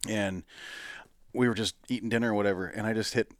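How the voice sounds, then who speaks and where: A man in his late thirties hosting a casual podcast, chatty and quick to laugh. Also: fairly low pitch, fairly even intonation, no room sound. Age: 30s. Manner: chatty storyteller, laughs easily. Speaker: podcast host.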